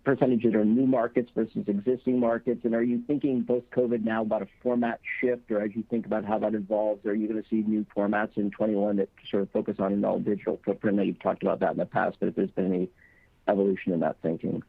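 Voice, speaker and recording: A man's voice: on the low side, level tone, fast talker, vocal fry, no room sound. A man speaking as a financial analyst, putting questions to management on an earnings call. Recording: dry, tinny phone line.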